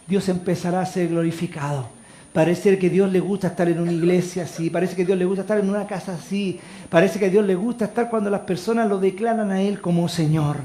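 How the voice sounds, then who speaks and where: A man with a Chilean accent preaching a sermon as pastor, moving between loud calls to the congregation and quiet storytelling. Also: high voice. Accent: Chilean Spanish. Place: church. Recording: echoey church hall.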